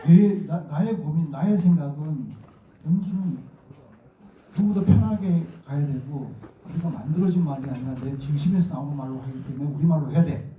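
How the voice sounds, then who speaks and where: A man's voice: fairly high pitch, moderate pace, recorded from a distance, slight background noise. A middle-aged man with a Daegu accent giving a lecture to students, telling stories and acting out what people said. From rural area near Daegu, South Korea. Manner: animated storytelling, acting out quotes. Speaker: guest speaker, actor. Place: lecture hall. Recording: echoey hall recorded from afar, muffled.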